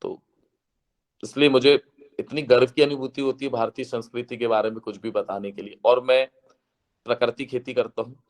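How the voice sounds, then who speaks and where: A man speaks to a seated audience in an earnest, preaching tone. His voice is slightly hoarse, and he slows to a measured chant for recited verses. His pitch sits in an ordinary middle range. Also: fairly even intonation. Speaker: guest speaker. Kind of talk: devotional lecture to a seated audience.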